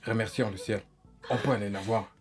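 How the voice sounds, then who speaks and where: A very deep calm doctor. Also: female voice, fairly quick, over music. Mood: reassuring. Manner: calm, reassuring. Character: reassuring hospital doctor.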